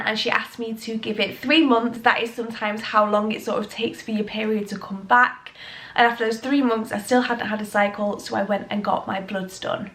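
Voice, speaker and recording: A woman's voice: fairly high pitch, fairly bright tone. A young woman with a British accent, talking chattily to camera and sounding nasal from a cold. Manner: chatty, rambling, reassuring. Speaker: health vlogger. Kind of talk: casual talk to camera.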